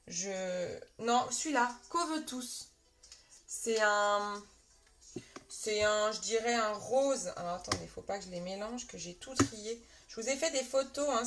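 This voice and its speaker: A woman with a French accent hosting a casual live makeup tutorial from her bedroom, chatting and greeting viewers by name with many fillers. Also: on the high side. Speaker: makeup seller and live host.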